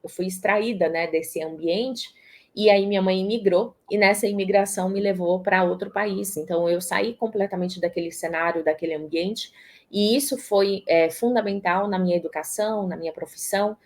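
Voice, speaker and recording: A woman's voice: medium pitch, moderate pace, darkish tone. A woman from Salvador, talking expressively in an interview and often restarting her words. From Brazil, Salvador, Bahia. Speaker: guest, systemic positioning strategist. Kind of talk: casual interview talk.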